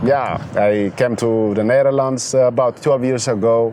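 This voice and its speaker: This man talks at a moderate pace with a medium pitch and fairly even intonation. There is noticeable background noise. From Ethiopia. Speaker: former tourist guide. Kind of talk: casual interview. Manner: halting.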